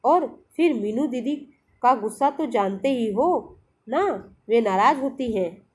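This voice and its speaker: A woman's voice: a little high, expressive, takes it slowly, darkish tone, slightly rough, exaggerated voice. Playful young boy, read by a female teacher, raised voice, teasing. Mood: fond scolding. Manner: teasing, scolding fondly.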